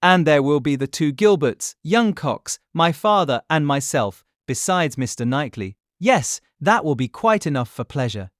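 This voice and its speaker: An eager young gentleman, gallant and flattering, always persuading. His voice sits fairly high and moves with lively inflection, recorded dry and close for a full-cast period audiobook. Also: a little slow, hardly any pauses, dry recording. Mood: eager planning.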